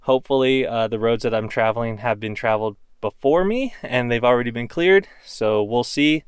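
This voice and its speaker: A man's voice: mid-range voice, normal speed, clean tone, no echo. A young man from the northwestern United States casually walks through his car camping setup, rambling with many fillers, filmed outdoors on a handheld camera at arm's length. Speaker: vlogger. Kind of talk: casual gear walkthrough. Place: outdoors by an open car in a burned forest.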